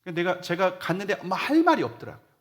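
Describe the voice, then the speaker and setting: A middle-aged male pastor giving a Sunday sermon in a church, telling a personal testimony earnestly and moving between loud emphasis and hushed near-whispers. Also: sits high, huge pitch swings, fast. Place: church sanctuary.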